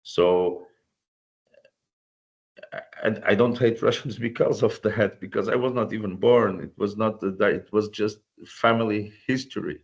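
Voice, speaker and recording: A man's voice: lowish voice, a little slow. A man from Portugal with a Portuguese accent speaking English as a guest on an online panel, earnest and often restarting or repeating words. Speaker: guest volunteer. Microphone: video call. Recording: dull lo-fi video call audio.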